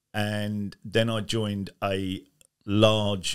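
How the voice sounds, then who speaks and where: A man speaks in a fairly low pitch with a monotone, flat intonation. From Harlow, Essex, England. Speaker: taxi driver. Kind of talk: casual chat.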